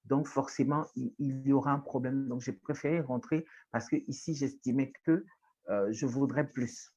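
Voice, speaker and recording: A woman with a Togolese French accent, a guest on an interview show who teaches journalism, speaking thoughtfully with pauses and restarts. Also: extremely low pitch, steady tone, warm tone, husky, highs cut off. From Togo. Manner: thoughtful, with frequent hesitations and restarts. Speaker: guest, writer and journalism lecturer. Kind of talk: reflective interview talk.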